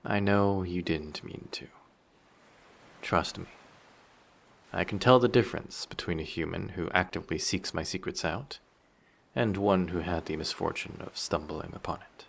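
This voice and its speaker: A man playing a dangerous, flirty sea monster in an intimate audio drama, speaking in a measured, quietly menacing way with formal wording. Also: low-pitched, vocal fry. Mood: regretful, menacing. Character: dangerous, possessive, flirty male sea monster with fish tail.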